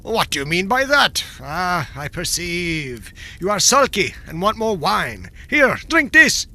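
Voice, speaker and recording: A man's voice: high voice, very animated, unhurried, creaky, full character voice. A man voicing a boisterous, cruel tyrant king who roars and laughs mockingly, in a storybook reading. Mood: fierce. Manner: loud, roaring, mocking laughter.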